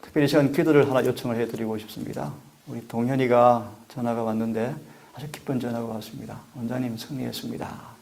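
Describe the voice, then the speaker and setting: A middle-aged man delivers a sermon as a pastor, speaking in an earnest, measured way. His voice sits at an ordinary pitch with a gravelly edge. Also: fairly even intonation, a little mellow, a little hiss or hum. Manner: earnest, measured preaching with prayer requests.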